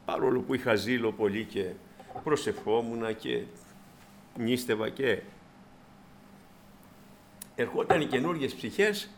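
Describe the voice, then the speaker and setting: A man preaching a sermon, telling stories in a lively way and acting out the people in them. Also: medium pitch, long pauses, a little hiss or hum. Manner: animated storytelling, acting out the people in his stories.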